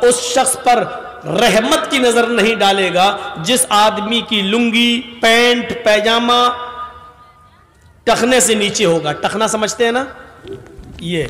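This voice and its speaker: A man from northern India preaching a sermon at a religious gathering, animated, sometimes shouting and quizzing the audience. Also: high-pitched, pauses often. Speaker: Islamic preacher. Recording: echoey hall with long reverb.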